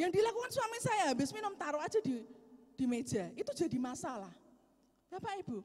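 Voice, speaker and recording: Animated in tone, a woman speaks at a high pitch with very wide pitch swings. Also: fairly quick pace. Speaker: preacher. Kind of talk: sermon.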